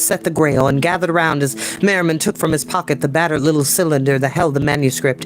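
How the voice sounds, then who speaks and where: A young adult man with a fairly high-pitched voice reads a book aloud as a storyteller and host, tossing in casual, enthusiastic, slangy asides. The recording is low quality, made in a small home room with a desk and bookshelves.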